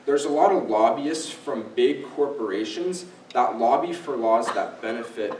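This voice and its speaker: A young man in his late teens gives an informal talk, walking listeners through points with casual fillers like "first off" and "you know." His pitch is ordinary for a man. The sound comes from a distant mic in a reverberant room with faint background hiss. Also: normal speed, a little mellow. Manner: explanatory, casual fillers, signposting. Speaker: guest speaker. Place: library event room.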